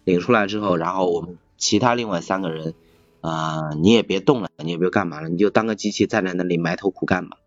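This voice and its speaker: A man in casual chat, talking haltingly and often repeating his phrases. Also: deep voice, no echo. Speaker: podcast speaker, factory assembly worker. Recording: slightly dull, music behind. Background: music.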